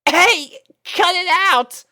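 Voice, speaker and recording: A man voicing a cocky, tomboyish female pegasus pony in a high, strained falsetto, loud and brash. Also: drawn-out words, no room sound, clean studio sound, heavily acted. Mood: laughing protest.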